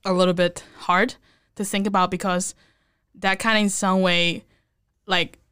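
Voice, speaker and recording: Young woman guest, lots of um and like, super clear voice, dry close sound. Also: fairly low pitch, level tone, a little slow, fairly bright tone, dry recording. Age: young adult. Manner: hesitant, many fillers. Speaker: guest, protest volunteer. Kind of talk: casual interview.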